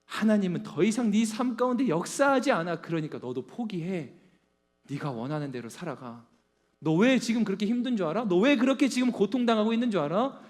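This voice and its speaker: A man's voice: high voice, lively intonation, brisk. A man doing a sneering taunting devil. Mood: scornful. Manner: mocking, contemptuous jeering.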